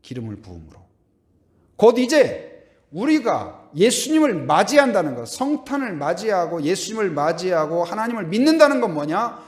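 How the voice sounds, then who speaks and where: Animated Korean pastor preaching. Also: male voice, sits high, normal speed. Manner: animated, asks the congregation questions, hums and sings hymn lines. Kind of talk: sermon.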